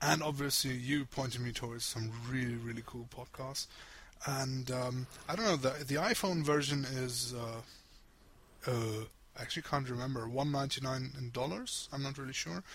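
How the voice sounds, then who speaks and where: A man speaks at medium pitch with a German accent. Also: ordinary pitch variation, moderate pace. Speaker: podcast co-host. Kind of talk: casual chat.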